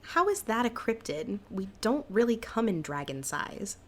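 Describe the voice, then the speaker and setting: A woman's voice: medium pitch, very animated, moderate pace. A woman playing a cautious, resigned cryptid with a hesitant, downbeat way of talking in a naturalistic audio drama. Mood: matter-of-fact. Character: Sybil, cautious, resigned female cryptid in a small town.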